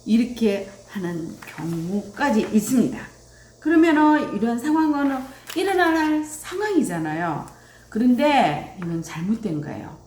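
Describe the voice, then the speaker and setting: A woman's voice: on the high side, a little slow, a little hiss or hum. A woman giving a lecture on parenting, speaking animatedly and acting out bits of dialogue. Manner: animated, acts out quoted dialogue. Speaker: parenting educator. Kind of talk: lecture on child rearing. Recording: roomy echo.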